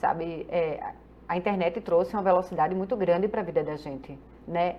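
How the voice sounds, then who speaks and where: A woman's fairly low-pitched voice in a northeastern Brazilian accent, with ordinary pitch variation. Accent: noticeable Northeastern Brazilian. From Northeast Brazil, Recife. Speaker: businesswoman. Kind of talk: talk show interview.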